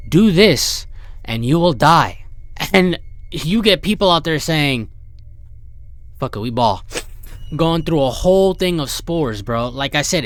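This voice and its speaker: A man giving casual, slangy reaction commentary as a video host, sounding incredulous and partly reading text aloud. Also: a little high. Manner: slangy, incredulous, often addressing viewer as bro.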